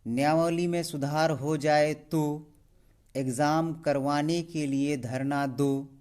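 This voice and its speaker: A man's voice: fairly high pitch, steady tone, takes it slowly, a little mellow, smooth. A man presenting a scripted news report, speaking in a pointed, rhetorical manner.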